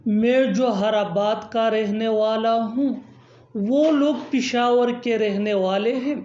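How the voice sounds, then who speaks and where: A woman teaching English grammar in a scripted lesson, saying each English example slowly and then repeating it. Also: on the high side, mellow, echoey room, dull audio.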